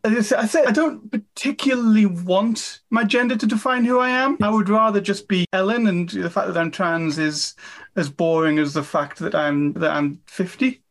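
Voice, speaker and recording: A woman in her fifties chats as an interview guest, eager and quick to poke fun at herself. She talks freely and warmly about her interests and her books, in an easy, unguarded conversational flow. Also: medium pitch. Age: 50s. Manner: chatty, enthusiastic, self-deprecating. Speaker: author and guest. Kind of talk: casual interview chat.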